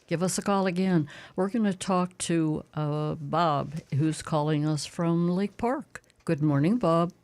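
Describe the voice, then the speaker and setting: A woman's voice: on the low side, measured pace, hardly any pauses, darkish tone. A woman co-hosting a radio talk show who greets and thanks callers in a friendly, upbeat way.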